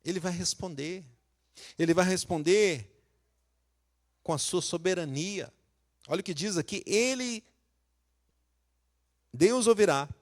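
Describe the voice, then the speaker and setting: Conversational Brazilian pastor preaching a sermon. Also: male voice, sits high. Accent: Brazilian Portuguese, Minas Gerais. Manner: conversational, asks the congregation questions, acts out quotes.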